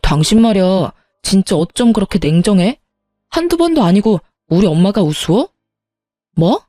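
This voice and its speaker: A woman's voice: mid-range voice, animated, moderate pace, dark tone, no echo, studio quality, soft background music, close to an everyday voice. A woman voicing an irritated husband who argues defensively and accuses his wife in a spoken story. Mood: accusing. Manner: accusing, huffy.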